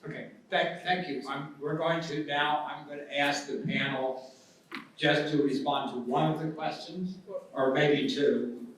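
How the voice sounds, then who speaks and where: Moderator in an echoey hall. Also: male voice, a little high, fairly even intonation, unhurried, fairly bright tone, distant mic, slight background noise. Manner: brief, hesitant transitions. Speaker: panel moderator.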